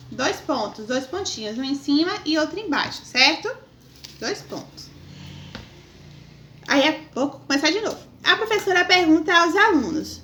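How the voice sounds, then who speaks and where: High, bright Brazilian woman teacher, dictating. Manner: dictating, reading out slowly and spelling out each mark; checks in often with short tag questions. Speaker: primary school teacher. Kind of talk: lesson going through punctuation exercises. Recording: roomy, echoing sound.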